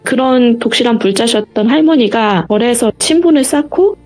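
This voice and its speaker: A woman's voice: fairly high pitch, animated, normal speed, darkish tone, soft background music. A woman guest in an interview, retelling a personal story earnestly and vividly.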